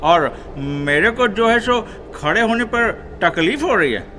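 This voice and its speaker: An actor playing a brazen young troublemaker in a Hindi radio play, with a rustic North Indian accent and folksy insolence. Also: male voice, high voice, expressive, slow pace, bright, forceful tone, slight background noise, heavily acted. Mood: insolent, teasing.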